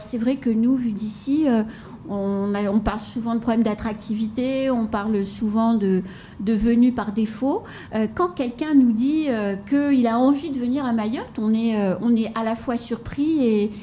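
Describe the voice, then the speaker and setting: Tv interviewer lady, kinda high but mellow voice, takes her time with questions, faint hiss. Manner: measured, searching for words.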